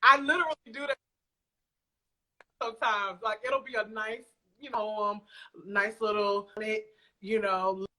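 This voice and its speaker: A woman's voice: mid-range voice, steady tone, measured pace, long pauses, bright, forceful tone, rough recording. A woman chatting casually as an interview guest, candid and informal with some swearing. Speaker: podcast guest, poet and audio drama creator. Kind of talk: casual chat.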